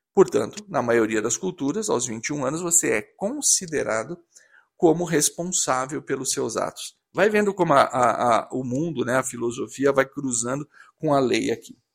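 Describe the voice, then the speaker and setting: A normal speaking voice with lively intonation, delivered at a moderate pace. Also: man, fairly high pitch for a man. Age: 50s. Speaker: radio host and behavior coach. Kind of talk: casual radio talk. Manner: conversational.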